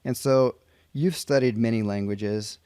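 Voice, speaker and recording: A man's voice: medium pitch, a little slow, mellow, smooth, no echo. An American man hosts a casual podcast interview, restating his guest's points and working in plenty of "um"s. The sound is dry and close, with no room around it. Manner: friendly, recaps answers, many fillers. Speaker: podcast host.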